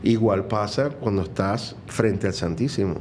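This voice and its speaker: A man's voice: lowish voice, a little slow, a little mellow, slight background noise. A middle-aged man with a Venezuelan accent, a guest speaking earnestly and reflectively in a conversational interview, with many fillers and restarts. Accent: Venezuelan Spanish.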